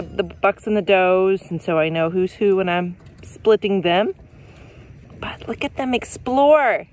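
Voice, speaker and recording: A woman with a medium-pitched voice talks casually as a homestead vlogger. Her delivery is folksy and unscripted, like someone explaining things as she goes. She is recorded outdoors on a handheld microphone. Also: slight background noise. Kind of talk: casual vlog commentary. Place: outdoors on a grassy farm yard.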